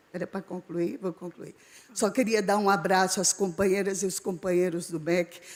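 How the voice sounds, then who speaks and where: Here a woman speaks at a medium pitch. Her pace is moderate. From Acre, Brazil. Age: 60s. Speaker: teacher and union leader, audience member. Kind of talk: audience question at seminar. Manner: animated.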